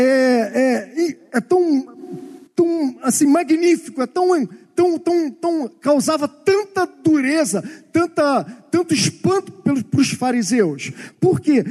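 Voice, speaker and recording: A man's voice: very high voice, warm tone. A man preaching a Bible teaching sermon, explaining patiently, repeating key phrases and asking rhetorical questions. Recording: long hall reverb.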